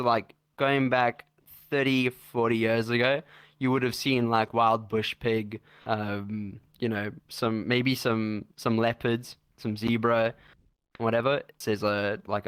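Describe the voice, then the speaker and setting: Man, South African accent, slangy, rambling, video call, medium pitch, dry. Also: fairly bright tone, smooth, no room sound. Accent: South African English. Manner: laid-back and slangy, rambling with restarts. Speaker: interview guest. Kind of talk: casual video-call interview.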